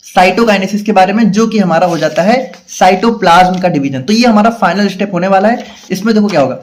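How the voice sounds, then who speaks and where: A man teaching a pharmacy class, explaining step by step in casual lecture style and reading definitions out slowly. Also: sits high, a little mellow. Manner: explains step by step, asks and answers his own questions; reads English definitions out slowly, explains them in Hindi. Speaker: pharmacy tutor.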